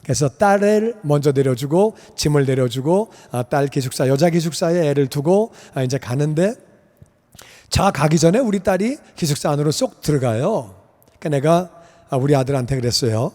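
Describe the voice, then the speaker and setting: A middle-aged male pastor preaches in a church sanctuary, his fairly high voice ringing with long hall reverb. He tells a personal story, acting out the dialogue with lively energy. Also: moderate pace. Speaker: pastor and missionary.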